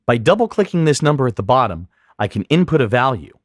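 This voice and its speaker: A male instructor narrates a software tutorial in an explanatory, step-by-step way. His pitch is mid-range and moves around in a lively fashion. Music plays behind his voice. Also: fast. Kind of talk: instructional screen-capture narration.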